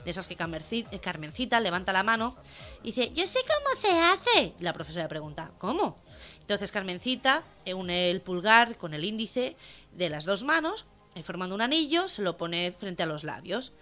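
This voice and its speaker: A woman co-hosting a local radio comedy show, telling jokes in a lively storytelling way. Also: fairly quick. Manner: lively storytelling, jumps into high voices for joke characters.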